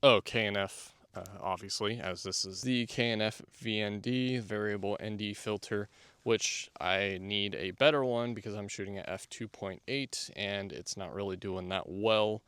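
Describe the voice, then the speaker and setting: A man's voice: lowish voice, fairly even intonation, normal speed, a bit bright, smooth, dry recording. A man reviewing camera gear as a vlogger, rambling and thinking aloud while testing small wireless mics outdoors. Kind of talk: casual outdoor mic test talk. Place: outdoors in the wilderness, wind at times. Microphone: small wireless clip-on mic, moved around.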